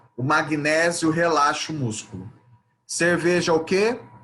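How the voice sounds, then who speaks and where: Fairly high-pitched man, animated in tone and fairly slow, with audible room echo. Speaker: therapy teacher. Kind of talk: lecture.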